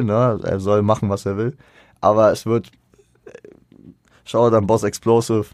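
A man's voice: on the low side, warm tone, no echo, studio quality. A man giving a casual spoken music review, hesitant, with many fillers, restarts and colloquial slang.

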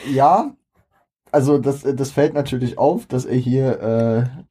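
A man co-hosting a casual music discussion in a hesitant, halting way, choosing his words carefully. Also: mid-range voice, dark tone, breathy edge. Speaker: co-host of a German rap album review.

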